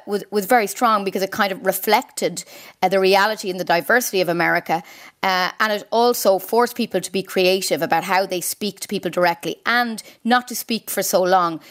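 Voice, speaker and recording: A woman giving measured, articulate political analysis as a news correspondent in a conversational broadcast interview. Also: mid-range voice.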